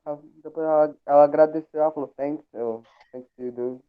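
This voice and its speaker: Deep, dark-toned woman student, playful storyteller, dull call audio. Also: fairly even intonation, a little fast, crowd noise. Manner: joking, storytelling.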